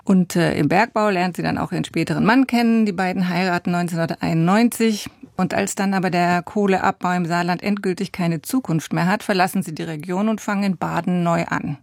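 Low, gravelly woman reporter narrating. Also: dry recording. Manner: measured, storytelling delivery. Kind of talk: scripted feature narration.

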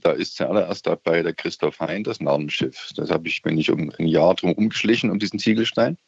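A man's voice: low voice, a little fast, vocal fry, slightly rough, no echo, lo-fi sound. A middle-aged man with a Saxon accent calling in to a radio show, talking hesitantly with many fillers and restarts. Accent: Saxon German. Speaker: radio caller. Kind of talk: casual phone-in chat. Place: on holiday by the sea.

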